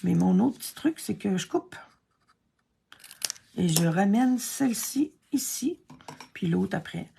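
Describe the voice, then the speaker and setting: A woman's voice: mid-range voice, expressive, slow pace, creaky, long pauses, dark tone, slight background noise. A Québécois woman chatting and thinking aloud through a card-making tutorial, self-deprecating and chatty. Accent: Québécois French. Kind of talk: casual craft tutorial narration.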